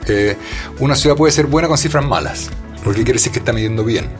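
A man's voice: medium pitch, fast talker, music in the background. A man with a Chilean accent, a guest in a casual conversation, who talks hesitantly with many fillers and restarts.

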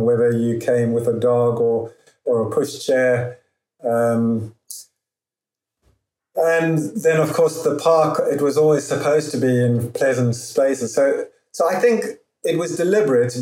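A man's voice: mid-range voice, dark tone. A man with a faint Zimbabwean accent, a guest in an interview, speaking earnestly and reflectively with some restarts. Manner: earnest, with frequent restarts and pauses. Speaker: guest, founder of a running event. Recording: roomy echo.

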